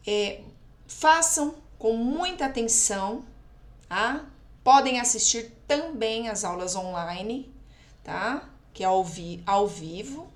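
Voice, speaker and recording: Woman teacher, patient and explanatory, lively higher voice, roomy echo. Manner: patient, explanatory, keeps checking with "tá?". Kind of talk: recorded remote lesson explaining exercises. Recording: echoey room.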